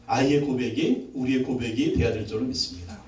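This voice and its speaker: A man's voice: medium pitch, brisk, darkish tone. A man preaching a Sunday sermon as pastor, building up to emphatic repeated declarations. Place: church sanctuary. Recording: echoey church hall, voice from a distant mic.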